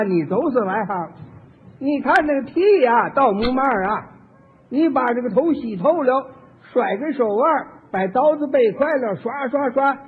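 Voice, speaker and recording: A man's voice: very high voice, slightly rough. A man performing a solo comic story, acting out both sides of each exchange. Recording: tinny archival radio recording with long hall reverb.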